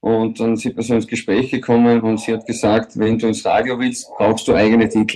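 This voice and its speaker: The man's voice falls at a medium pitch. He talks at a moderate pace. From Austria, Styria. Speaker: singer. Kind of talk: interview. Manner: hesitant, many fillers.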